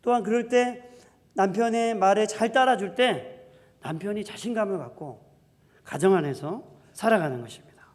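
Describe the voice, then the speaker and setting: A male pastor preaching a sermon, swinging between loud declarations and soft asides. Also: high-pitched, moderate pace. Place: church sanctuary. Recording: long hall reverb.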